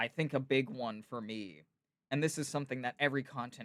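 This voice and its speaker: At a moderate pace, a man with an unremarkable speaking voice talks in a medium pitch with lively intonation. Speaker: podcast host and streamer. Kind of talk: casual chat.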